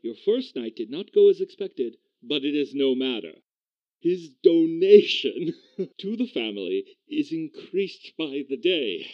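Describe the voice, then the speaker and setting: A prim, deadpan uncle, as a man puts him on, delivering everything with odd formality over a dull, dry line. His voice runs high for a man and swings through a wide range. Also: a little slow, no echo. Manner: stiff, overly formal, deadpan. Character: formal, scheming uncle on the phone, male.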